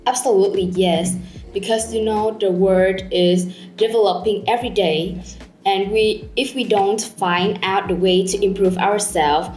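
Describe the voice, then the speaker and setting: A woman from Vietnam with a Vietnamese accent, answering speaking exam questions quickly and eagerly in English, her second language, with loose grammar and fillers. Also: mid-range voice, steady tone, darkish tone. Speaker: IELTS test candidate. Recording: echoey room, faint music.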